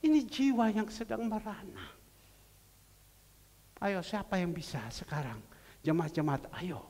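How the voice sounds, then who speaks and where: A male pastor preaching a sermon in a church, swinging from soft, low asides to loud, emotional emphasis. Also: sing-song, a little slow, long reverb tail. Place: church sanctuary.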